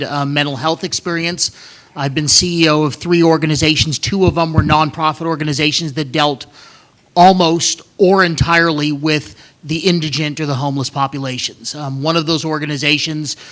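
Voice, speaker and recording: A middle-aged man with a bright, forceful, somewhat high voice addresses a panel audience. He talks loudly and confidently, though he pauses on frequent fillers. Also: fairly even intonation. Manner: confident and loud. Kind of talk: panel self-introduction.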